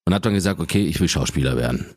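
Guy with a crazy deep bass voice chatting in an interview, really dry close sound. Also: lively intonation, racing, slightly rough, dry recording. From Germany. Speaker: interview guest, voice actor. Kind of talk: casual interview storytelling.

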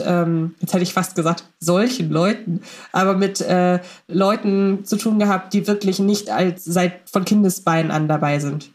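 Chatty woman hosting a casual round. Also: medium pitch. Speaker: podcast host. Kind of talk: casual moderated group talk.

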